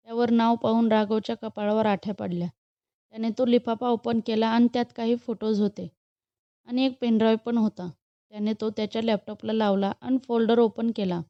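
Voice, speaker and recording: A woman storyteller narrates a romance story in a steady, measured way. Her voice sits a little high, and the recording is dry and slightly muffled. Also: no echo.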